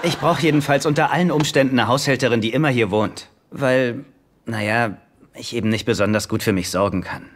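An actor playing a naive, guileless billionaire in a German sitcom dub, blunt and childlike in manner. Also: male voice, medium pitch, brisk, a little hiss or hum, close to an everyday voice. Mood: upbeat. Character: naive, guileless young billionaire with a broken heart.

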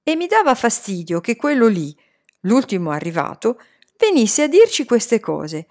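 A woman reading a children's story aloud, gentle and measured. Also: on the high side, sing-song. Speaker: reader.

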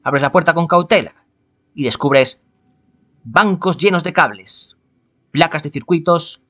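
A man's voice: on the high side, measured pace, pushed and bright. A man from reads a visual novel aloud, adding casual, wry commentary as he goes. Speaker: gaming streamer.

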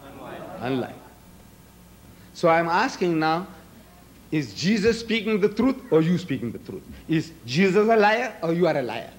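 A man's voice: fairly high pitch, sing-song, moderate pace, pauses often, a little hiss or hum. An older man whose first language is Gujarati, arguing emphatically at a podium in a large hall, firing rhetorical questions at the audience. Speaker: debater. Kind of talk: public debate speech. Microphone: podium microphones.

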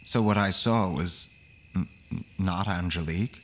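Low-voiced, haunted man. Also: a little slow, noisy background. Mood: shaken, uneasy. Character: earnest, haunted man recounting his horror story. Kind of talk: first-person audio drama narration.

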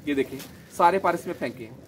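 A man, gently explaining his pigeon keeping in a casual vlog, a little hoarse from a sore throat. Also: a little high, lively intonation, fast, a little hiss or hum. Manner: chatty, gentle, explains while handling birds. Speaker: pigeon keeper vlogger. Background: pigeons cooing.

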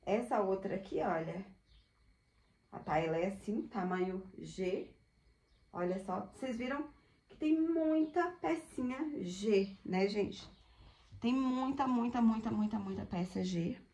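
Woman in her thirties, upbeat thrift seller, unhurried talk, roomy home recording. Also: medium pitch, warm tone. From Brazil. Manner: chatty, upbeat, many diminutives and "olha só" asides. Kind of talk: casual product showcase. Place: small home room indoors. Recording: echoey room.

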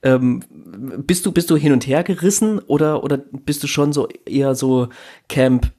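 A man's voice: a little high, moderate pace, warm tone. A man hosting a casual podcast, talking in his native German in a reflective, rambling way with restarts and fillers. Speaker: podcast host.

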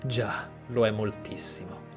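A man's voice: lowish voice, fairly even intonation, measured pace, over music. A man giving reflective, explanatory commentary as he streams a roleplay game. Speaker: gaming streamer and host.

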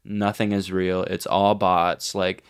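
A man's voice: low voice, little pitch movement, takes it slowly, smooth. A man in his twenties from Texas, co-hosting a podcast in casual, opinionated, slangy chat. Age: 20s. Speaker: podcast co-host. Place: small room, indoors. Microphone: podcast microphone on boom arm.

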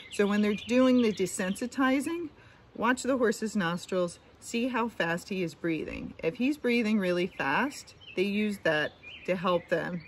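A woman's voice: lowish voice, a little hiss or hum. A middle-aged woman horse trainer talking to camera outdoors, giving practical advice and repeating her points. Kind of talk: instructional talk to camera. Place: outdoor deck among trees. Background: birdsong and outdoor ambience.

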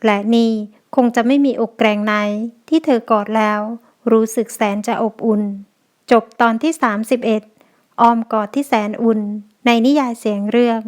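Woman reading an audio romance novel, slow gentle voice, bit high. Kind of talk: scripted romance narration.

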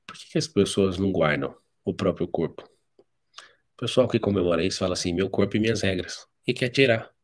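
A man with a Brazilian Portuguese accent, preaching a live devotional sermon, telling stories bluntly and directly. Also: lowish voice.

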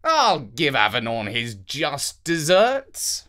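A woman voicing an arrogant, jealous older fairytale king in a measured, imperious manner. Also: a bass voice, wildly swooping pitch, a bit bright, exaggerated voice. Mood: vindictive.

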